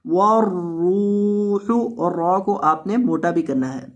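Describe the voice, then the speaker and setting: A man with a South Asian Urdu accent teaching Quran recitation with tajweed, spelling out letters and vowels, then chanting the verses in long drawn-out tones between quick explanations. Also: a little high, lo-fi sound. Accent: Urdu-speaking South Asian.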